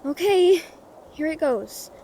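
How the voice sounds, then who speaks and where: A woman's voice: very high-pitched, expressive, slow pace, mellow, slight background noise, full character voice. A woman playing an earnest, defiant author in a fantasy audio drama, with an emotional, emphatic delivery. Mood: reluctant. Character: earnest, defiant female author facing her villain.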